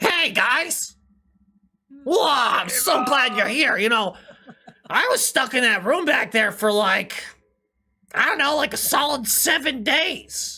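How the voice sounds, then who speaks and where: A put-on character voice speaks in a high pitch at a fairly slow pace. Long, frequent pauses break it up. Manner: excited, gushing, rambling.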